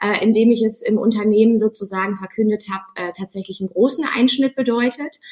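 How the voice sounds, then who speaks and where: Noticeable background noise behind a woman's fairly high voice, moderate in pace, with fairly even intonation. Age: 30s. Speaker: entrepreneur and mother. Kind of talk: interview conversation. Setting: remote recording from her living room at home. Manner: many filler sounds.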